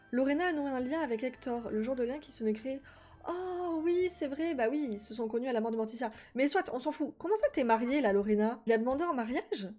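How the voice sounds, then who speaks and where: A woman, chatting casually as she plays a life-sim game, talking to her characters and her viewers and quick to exclaim at what she sees. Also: high-pitched, warm tone. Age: 20s. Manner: quick exclamations of delight and confusion. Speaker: gaming YouTuber. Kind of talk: casual Let's Play commentary.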